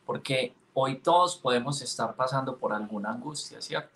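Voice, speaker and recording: A man co-hosting a Christian teaching program, speaking in a calm, affirming way. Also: mid-range voice, moderate pace, vocal fry, slight background noise. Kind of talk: Christian teaching, conversational sermon.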